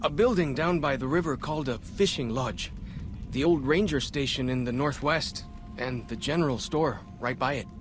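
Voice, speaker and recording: A man playing a young, earnest tribal scout and guide in a video game, plain-spoken with simple, slightly halting phrasing. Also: medium pitch, music in the background, natural voice. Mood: helpful, earnest. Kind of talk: video game cutscene dialogue.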